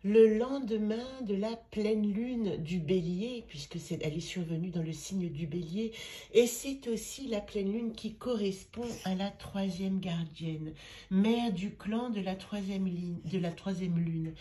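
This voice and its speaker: A middle-aged woman with a head cold, reading oracle cards and talking gently and meanderingly, with pauses and fillers. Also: medium pitch. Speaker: card reader and astrologer. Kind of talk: spiritual card-reading video.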